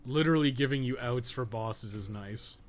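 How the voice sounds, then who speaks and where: A man's voice: mid-range voice, moderate pace, a little hiss or hum. A man giving casual, rambling live commentary while playing a video game, with some swearing and self-amusement. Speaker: video game streamer and podcast co-host.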